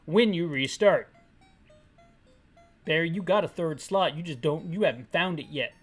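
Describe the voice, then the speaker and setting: A man's voice: on the high side, a little fast, fairly bright tone, slightly rough, faint music behind. A man describing a video game screen aloud in a loose, digressive way. He wanders off into jokes and asides, then comes back to the details. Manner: rambling, digressive and jokey. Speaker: gaming channel host. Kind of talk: descriptive audio commentary of a game.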